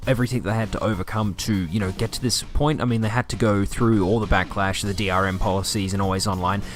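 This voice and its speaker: With an Australian accent, a man talks at a very fast pace with hardly any pauses, his fairly low pitch showing ordinary variation over noticeable background noise. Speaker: gaming YouTuber. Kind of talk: gameplay commentary.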